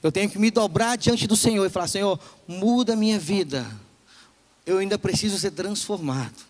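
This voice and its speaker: A man's voice: sits high, normal speed. A young man with a Brazilian Portuguese accent, preaching a sermon to a youth service, telling stories with playful humor. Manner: storytelling with playful humor, acts out voices. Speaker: pastor. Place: church hall.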